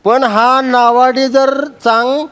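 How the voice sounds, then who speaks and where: A man's voice: very high voice, level tone, takes it slowly, fairly bright tone, clear, resonant tone, exaggerated voice. An actor playing a clueless rustic man who stumbles over his lines while acting in a film scene, in a comedy sketch. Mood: bumbling.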